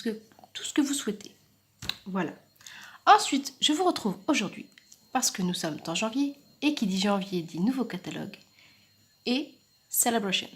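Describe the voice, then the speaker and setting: A woman presenting craft paper products in a casual vlog, chatty and enthusiastic, often dropping into soft asides. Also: a little high. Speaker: independent crafting product demonstrator.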